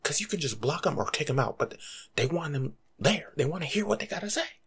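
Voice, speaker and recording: Young adult American male, husky half-whispered ASMR monologue, lively swings in pitch, casual street-slang delivery. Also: a little fast. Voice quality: breathy, often dropping to a whisper. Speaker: ASMR video creator. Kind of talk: ASMR role-play monologue, casual life-coach advice. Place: small room at home, indoors.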